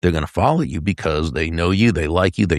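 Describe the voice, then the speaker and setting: A man speaks with a very deep, low pitch. The recording is very clean and dry, close-miked with no echo and a silent background. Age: 60s. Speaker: author and motivational speaker. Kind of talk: interview conversation. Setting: podcast interview. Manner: emphatic, repeats 'okay?' for emphasis.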